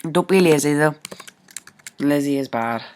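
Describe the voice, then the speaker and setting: A man hosting a casual coding screencast, thinking aloud informally and haltingly as he works at his computer. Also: a little high, a little mellow, smooth. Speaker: programming tutorial host. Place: indoors at a computer, screen recording.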